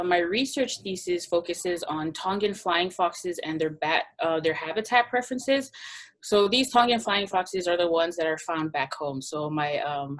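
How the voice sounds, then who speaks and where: A young woman from American Samoa answering interview questions about her schooling and research in a careful, detailed way, sometimes correcting herself. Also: on the low side. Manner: earnest, detailed, self-correcting. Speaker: interviewee, graduate student.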